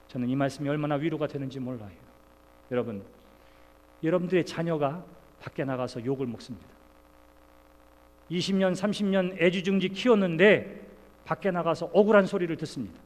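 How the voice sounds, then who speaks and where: A middle-aged male pastor preaching an earnest sermon, moving between soft, confiding lines and loud exclamations. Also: a little high. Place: church sanctuary. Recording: long church reverb.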